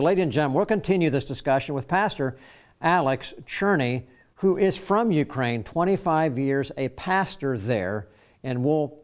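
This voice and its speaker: A man hosting a Christian talk program, introducing his guest and asking questions with frequent fillers. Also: medium pitch. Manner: reads a letter aloud, then interviews with fillers. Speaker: host. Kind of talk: broadcast talk show hosting.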